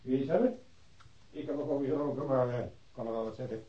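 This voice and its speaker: Guy playing lonely old policeman, curt n defensive, husky voice, dull old radio drama sound. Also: mid-range voice, fairly even intonation, fairly quick, warm tone, close to an everyday voice. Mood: lonely, weary. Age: older. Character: lonely widowed old policeman, doggedly loyal, guarded and stubborn.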